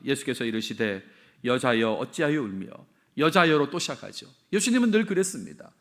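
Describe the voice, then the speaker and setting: A middle-aged man preaching a sermon as senior pastor, repeating key phrases and putting questions to the congregation. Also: mid-range voice.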